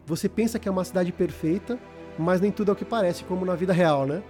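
A man's voice: high-pitched, fast talker, dark tone, soft background music. A man with a Brazilian Portuguese accent explaining a video game in casual, informal podcast talk, repeating words as he goes.

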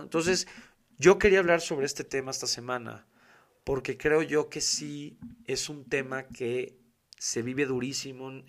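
A man's voice: medium pitch, a bit bright. A man with a Mexican accent hosting a podcast, giving a casual monologue in an emphatic, slangy way and repeating his key points. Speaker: podcast host.

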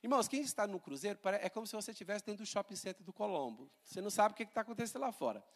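A male pastor, preaching a sermon in a church in an animated, conversational way, with humor and rhetorical questions. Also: high voice, rapid-fire.

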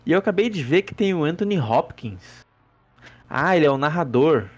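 Sarcastic Brazilian podcast host. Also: male voice, on the high side, lively intonation, normal speed. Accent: Brazilian Portuguese. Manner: sarcastic, profane, rambling with restarts. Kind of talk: casual podcast movie review. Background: faint background music.

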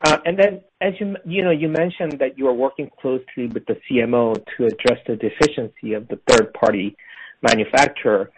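A man's voice: medium pitch, brisk, muffled recording. Male analyst on a noisy call. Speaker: financial analyst asking questions. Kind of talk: earnings call question. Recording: noisy phone-in call with clicks.

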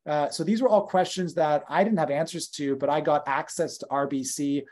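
Talkative North American man, slightly high voice. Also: fairly quick, darkish tone. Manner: conversational, with fillers and self-corrections. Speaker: podcast guest, company founder. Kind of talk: casual podcast interview.

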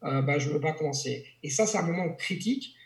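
A native Italian speaker from Italy, working as a language teacher, gives a conversational interview in French with frequent fillers, restarts, and hesitation. His voice is on the high side, animated and fairly quick, and the room adds an echo.

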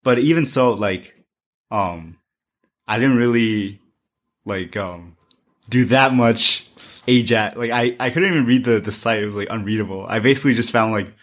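A young man from Taiwan whose first language is Chinese, co-hosting a podcast in a relaxed, halting chat full of fillers. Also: fairly low pitch. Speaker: podcast co-host. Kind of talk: casual chat.

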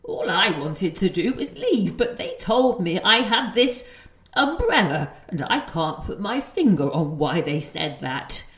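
An actress playing a confused elderly grandmother with dementia in an audio play, halting and groping for words. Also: on the low side, sing-song, roomy sound. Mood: bewildered, searching. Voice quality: halting, hesitant delivery. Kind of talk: stage-trained audio play acting.

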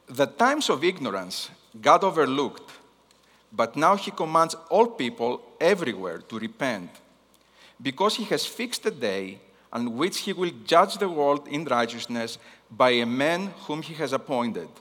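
A man's voice: mid-range voice, very animated, unhurried, a bit bright. Greek-accented male preacher in a reverberant hall. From Greece. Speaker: guest missions preacher. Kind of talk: sermon. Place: large hall, speaking to a congregation.

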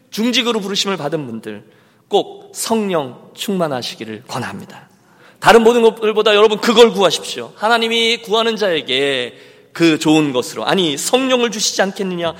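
In a church sanctuary, a man preaches a Sunday sermon as senior pastor, speaking emphatically and directly to the congregation again and again. His fairly bright voice sits high, and the recording carries a large hall's long reverb.

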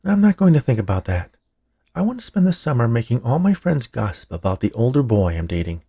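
A man's voice: medium pitch, sing-song, a little fast, warm tone, slightly rough. A man voicing a lovestruck, stubborn young college woman in a narrated story, speaking with earnest insistence. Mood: defiant. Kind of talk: storybook character dialogue in narration.

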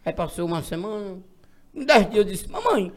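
A man in his forties telling a comic life story on a talk show, animated and acting out the people in it. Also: sits high, brisk. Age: 40s. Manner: animated, slips into acted quotes. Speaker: guest.

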